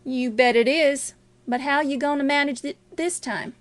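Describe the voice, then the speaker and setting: A woman voicing a rough, blunt, murderous river gang man who talks in rustic American dialect. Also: high voice, steady tone, normal speed, close to an everyday voice. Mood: agreeing.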